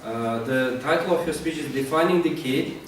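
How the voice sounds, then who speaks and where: A man's voice: mid-range voice, moderate pace. A man acting as host of a club meeting, introducing speakers to the room. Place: meeting room, recorded from a distance. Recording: very echoey room, distant mic, noisy, clicks.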